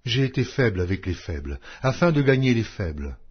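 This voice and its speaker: Male audio Bible narrator, lively intonation, rough-edged husky tone, solemn and declamatory delivery, slightly muffled lo-fi sound. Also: on the low side, a little fast. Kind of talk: scripted scripture reading, solemn narration.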